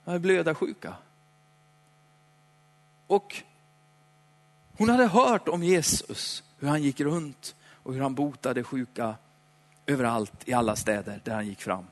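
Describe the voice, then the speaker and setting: Male preacher, conversational sermon, playful asides, dramatic slow emphasis, long hall reverb. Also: mid-range voice. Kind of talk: lively sermon.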